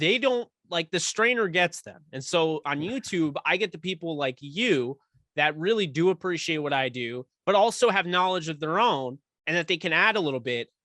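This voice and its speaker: Bright and sharp in tone, a man's high voice moves at a moderate pace with lively intonation. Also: dry, close sound with no echo, quiet background. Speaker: sports content creator. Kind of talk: casual interview chat.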